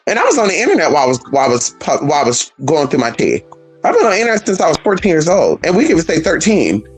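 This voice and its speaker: A trans woman vlogging a blunt, profane, sassy rant in an emphatic, animated way. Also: low voice, very fast, slightly rough, soft background music, poor audio. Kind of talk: casual vlog rant.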